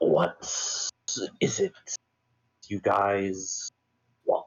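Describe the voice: A man puts on a character voice full of hissing.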